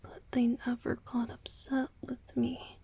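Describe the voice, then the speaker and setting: A woman playing a tender, guilt-ridden young male vampire boyfriend in a romantic ASMR roleplay, mostly whispering in a slow, halting, intimate way. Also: on the high side, monotone, gravelly, warm tone, breathy edge, exaggerated voice. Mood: somber, confessional.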